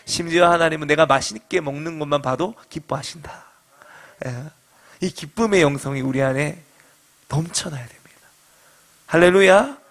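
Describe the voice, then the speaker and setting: A middle-aged man preaching with fervent conviction, his voice sitting notably high for a man. He calls out to the congregation, pauses for their replies, and leads them through readings with steady energy. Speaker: pastor. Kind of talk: sermon.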